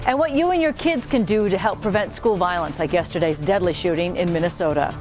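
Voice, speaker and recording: An American woman anchors a local newscast, speaking a little fast in a polished, formal, scripted newsreader style. Music plays behind her, and the background carries clear noise with a low rumble.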